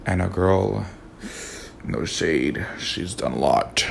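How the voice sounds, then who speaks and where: A hoarse young man with a sassy, campy manner, telling a personal story as a podcast host while sitting in a car. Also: sits low, lively intonation, slow, slight background noise. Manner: sassy, campy, swears a lot. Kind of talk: casual storytelling monologue.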